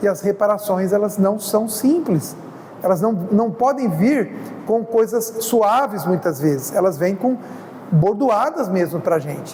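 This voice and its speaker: In a room with audible echo and noticeable background noise, a man speaks at a fairly slow pace. His pitch is high and his intonation lively. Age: 60s. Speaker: spiritist lecturer. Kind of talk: lecture.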